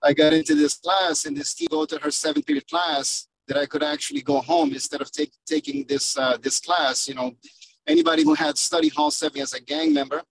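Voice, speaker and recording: Man on a choppy video call, gravelly. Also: fairly high pitch, very animated, poor audio. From Cape Verde. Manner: halting, leans on "you know" fillers. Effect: choppy video call connection, breaking up. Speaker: educator guest. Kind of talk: panel discussion. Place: in a car.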